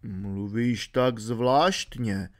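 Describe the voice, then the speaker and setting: A man voicing a suspicious middle-aged shepherd in an audiobook, asking slow, doubtful questions. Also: on the low side, lightly acted. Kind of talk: audiobook reading.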